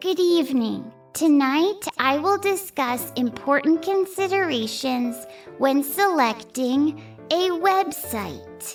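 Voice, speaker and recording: A female-sounding voice puts on a character voice, pitched high and moving very slowly. Clear music plays in the background. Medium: read story. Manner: wordy, rambling.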